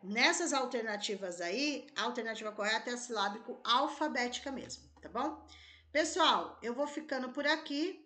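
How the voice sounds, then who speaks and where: A woman's voice: fairly high pitch, expressive, moderate pace, bright, forceful tone. A woman teacher with a Brazilian accent, reading exam questions aloud and thinking through the answers, often checking in with her class. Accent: Brazilian Portuguese. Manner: thinks aloud, rechecks answers, tags lines with "né?" and "tá?". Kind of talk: exam-prep lesson, reading and solving test questions.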